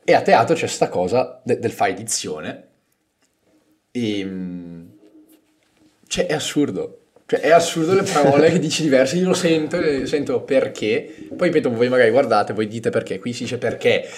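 A man's voice: medium pitch, moderate pace. A man with a Brescian accent hosting a podcast, chatting in a jokey way. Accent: Brescian Italian. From Lombardy, Brescia area. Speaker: podcast host. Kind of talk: casual podcast chat.

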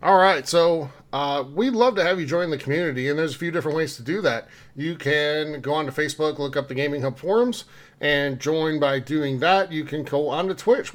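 A man hosting a podcast in a casual, conversational way, speaking informally to co-hosts and listeners. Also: fairly high pitch. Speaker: podcast host. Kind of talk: casual podcast talk with community announcements.

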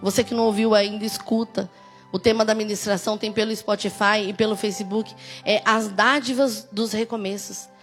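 A woman's voice: medium pitch, fairly even intonation, normal speed, faint music behind. A woman pastor with a Brazilian Portuguese accent, preaching a conversational sermon with emphatic, rising exclamations.

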